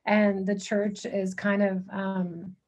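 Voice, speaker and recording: A woman's voice: medium pitch, little pitch movement, slow pace, darkish tone. A woman from Texas, a missionary guest, answering interview questions in an easygoing way with frequent fillers. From San Antonio, Texas.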